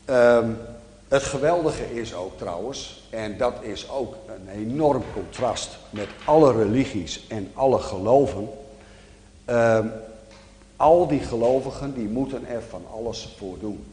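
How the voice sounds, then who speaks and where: A male preacher delivers a sermon, explaining scripture in a calm, measured teaching manner. His mid-pitched voice is slow and deliberate, and a long hall reverb trails each phrase in the roomy sound.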